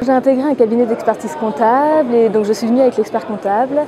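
Halting young woman, slightly high voice. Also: poor audio. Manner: halting, many fillers. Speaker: accounting firm employee. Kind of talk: street interview. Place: busy indoor exhibition hall. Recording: busy crowd noise behind. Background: crowd chatter.

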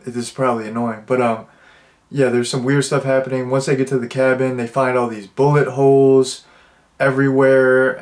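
A young man with a stuffed-up nose casually reviewing a movie, rambling with many restarts and fillers. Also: medium pitch. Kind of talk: casual spoken review, thinking out loud.

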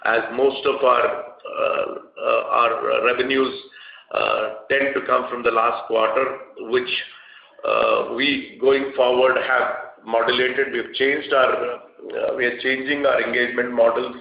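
A man with an Indian accent speaks haltingly as a company executive leading an earnings call. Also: medium pitch, little pitch movement, creaky. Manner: halting, hesitant delivery with long hesitations. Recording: dull, echoey conference call line.

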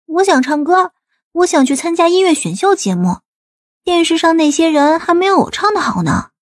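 Woman voicing a high, lively teenage village girl. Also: moderate pace, no room sound, clean studio sound. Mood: eager, complaining. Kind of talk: audiobook character dialogue.

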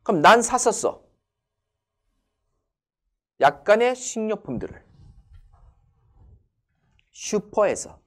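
A male English teacher with a very animated voice that swoops up and down. He talks slowly and reads each English example with deliberate care. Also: high voice. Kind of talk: online English lesson.

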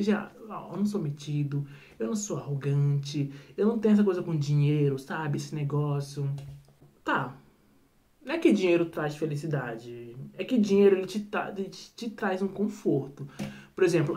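A man's voice: sits high, warm tone. A man with a Brazilian accent talking at home in a late-night vlog, chatty and rambling, with many fillers and repeated words. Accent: Brazilian Portuguese. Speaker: vlogger.

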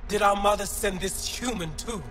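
An actress playing a hostile young female alien rebel in a video game, curt, sharp and defiant. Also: medium pitch, normal speed, music in the background, natural voice. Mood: scornful. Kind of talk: cinematic video game acting.

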